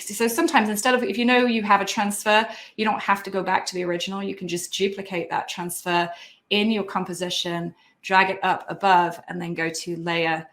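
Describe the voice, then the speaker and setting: Low-voiced woman demoing photo art software. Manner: chatty, sentimental, talks a lot. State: losing her voice. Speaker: guest instructor. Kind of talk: software tutorial demonstration. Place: home office.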